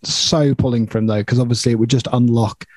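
A man's voice: mid-range voice, steady tone, a little fast, slight background noise. A man hosting a casual sports discussion, talking discursively and often tagging points with a question. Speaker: podcast host steering the agenda.

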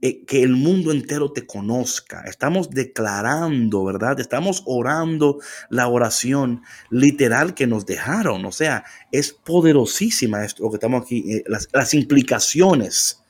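A man co-hosting a casual faith talk, animated and slipping into English phrases. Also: medium pitch, normal speed, few pauses. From Latino. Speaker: co-host.

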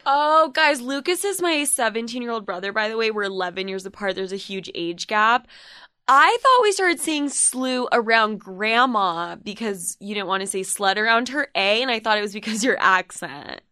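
A woman's voice: a little high, animated, normal speed, pushed and bright, clean tone, no echo, clean studio sound. A woman in her twenties hosting a casual podcast, giggly and playful, swearing casually. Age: 20s. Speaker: podcast host.

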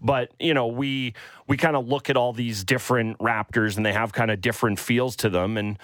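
A man's voice: mid-range voice, fairly even intonation, moderate pace, fairly bright tone, dry recording, studio quality. A man co-hosting a morning sports radio show, musing at length in a loose, reflective way. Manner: rambling, reflective, lots of fillers. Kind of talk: casual sports talk. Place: radio studio. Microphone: studio microphone.

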